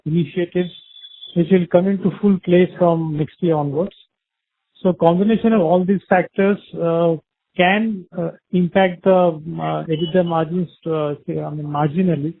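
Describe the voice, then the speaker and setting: Higher-voiced man on a tinny phone line. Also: steady tone, moderate pace, gravelly, dry recording. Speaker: company finance executive. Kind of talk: earnings call answers. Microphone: conference call phone line.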